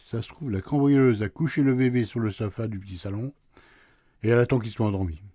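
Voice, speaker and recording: A man's voice: mid-range voice, fast, warm tone, dry recording, natural voice. An actor playing a sleepy, teasing husband in a radio play, answering his wife with dry sarcasm. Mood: grumpy, teasing. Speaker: husband woken at night.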